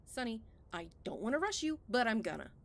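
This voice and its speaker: A woman's voice: on the high side, sing-song, brisk, vocal fry. A woman playing a blunt, impatient, commanding heroine in an audio drama. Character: brisk, blunt, no-nonsense female action heroine. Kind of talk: audio drama comedy acting.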